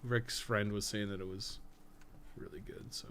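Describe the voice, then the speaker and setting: A man's voice: on the low side, steady tone, moderate pace, a bit bright. A man giving casual livestream commentary on a game, rambling and thinking aloud with blunt opinions and swearing. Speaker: game streamer and guide maker. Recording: clearly noisy background.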